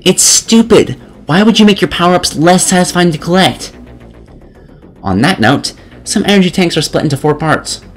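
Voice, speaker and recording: A man's voice: high voice, lively intonation, moderate pace, faint music behind. A man narrating a scripted video game review in a sardonic, critical way, as a voice-over.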